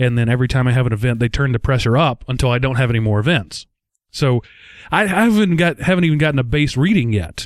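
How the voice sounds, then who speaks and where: A man with an American accent and a medium-pitched voice talks at a very fast pace with lively intonation and very even loudness. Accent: Texas accent, thicker when tired. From Texas. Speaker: podcast host. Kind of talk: casual podcast chat.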